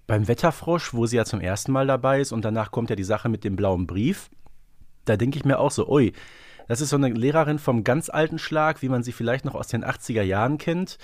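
A man talks as a podcast co-host, casually analysing as he goes. His voice sits at an ordinary male pitch. The sound is dry, with very little room in it. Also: no room sound.

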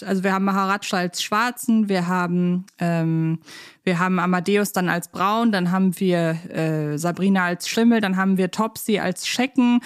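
A woman's voice: lowish voice, clean tone. A woman podcast co-host in casual fan discussion, chatty and rambling, correcting herself as she thinks aloud. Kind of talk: casual fan discussion of audio drama series.

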